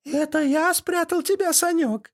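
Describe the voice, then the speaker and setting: A man voicing a tiny, friendly mushroom spirit with a thin squeaky voice in an audiobook. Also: steady tone, unhurried. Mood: eager friendly. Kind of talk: audiobook character voice.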